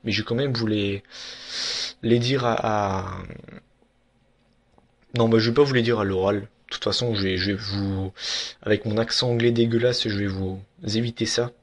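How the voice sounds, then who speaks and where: A man's voice: lowish voice, steady tone, normal speed, pauses often. A young man giving a casual, frank review of a wrestling year in a vlog, with lots of fillers and restarts.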